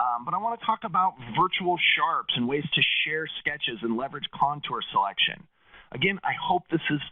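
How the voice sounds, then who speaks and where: An unremarkable speaking voice delivered with lively intonation. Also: man. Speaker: software trainer. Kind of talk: webinar tutorial.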